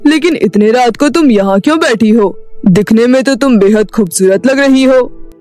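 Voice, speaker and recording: A woman voicing a scheming, leering middle-aged man in a storybook cartoon, speaking in a smooth, coaxing way over faint music. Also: on the high side, moderate pace, warm tone, close to an everyday voice. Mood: sly. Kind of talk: storybook voice acting.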